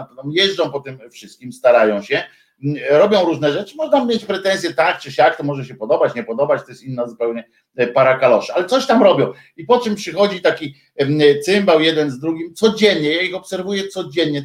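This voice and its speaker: A political commentator delivers a heated, scornful rant directly to his viewers, with plenty of hesitation fillers. His voice is medium-pitched, and the sound is roomy.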